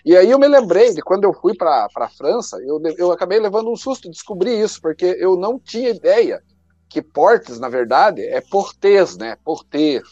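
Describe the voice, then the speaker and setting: A Brazilian man chats as a podcast panelist, his voice notably high. He talks haltingly and repeats words while he gathers his thoughts. The recording is dry and a little dull, with faint music behind him. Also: big pitch swings, dark tone, dry recording. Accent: Brazilian Portuguese. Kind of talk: casual podcast chat.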